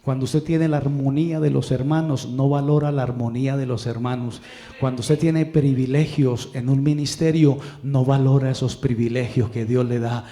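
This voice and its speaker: A man's voice: medium pitch, steady tone, moderate pace, mellow. A man with a Colombian accent preaching a sermon as pastor, rambling and emphatic, repeating phrases for emphasis.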